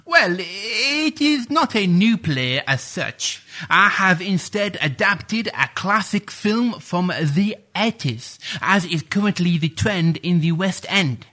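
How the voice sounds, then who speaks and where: A man's voice: sits high, lively intonation, takes it slowly, few pauses, pushed and bright, exaggerated voice. A man playing a pompous, flustered playwright guest, who hesitates and stammers through a comedy radio sketch. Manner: hesitant, full of "uh"s, stammers, grandiose phrasing.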